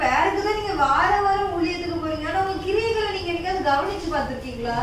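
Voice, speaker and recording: A woman playing an earnest church sister who lectures a friend and quotes Bible verses slowly, in an amateur family skit. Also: very high-pitched, a bit bright, slight background noise. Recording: echoey room, far from mic.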